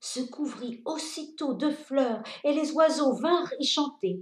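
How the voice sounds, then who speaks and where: A woman speaks very slowly in a somewhat breathy voice. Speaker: storyteller. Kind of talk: fairy tale reading.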